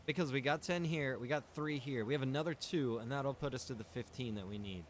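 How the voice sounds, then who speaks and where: A man streaming a survival game, talking casually and thinking out loud with the odd chuckle as he plays. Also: medium pitch, a little fast, a little hiss or hum. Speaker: streamer and game server developer. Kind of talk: live-stream gameplay commentary.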